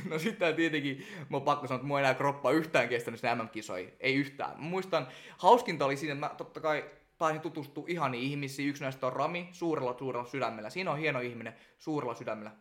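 A young man chatting casually as a guest, telling animated stories full of laughter and fillers. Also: medium pitch. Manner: animated storyteller, laughs often, many fillers. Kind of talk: casual chat.

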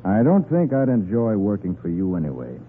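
Cool wry detective, old radio show, lots of inflection, tinny noisy recording. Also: male voice, fairly low pitch, huge pitch swings, fairly quick. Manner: wry, unruffled. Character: cool, self-assured male private detective. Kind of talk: 1940s radio acting.

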